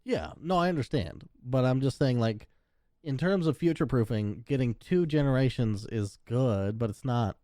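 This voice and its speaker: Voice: medium pitch, expressive, moderate pace, mellow, no echo, clean studio sound. A co-host of a gaming podcast chatting casually in a laid-back, hedging way with lots of fillers.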